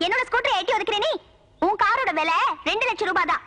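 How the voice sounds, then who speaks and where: An actress playing an arrogant young rich heiress who talks down to others in a film comedy scene. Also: female voice, very high voice, expressive, fast, bright, forceful tone, heavily acted. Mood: haughty. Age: young adult. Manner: haughty, scornful.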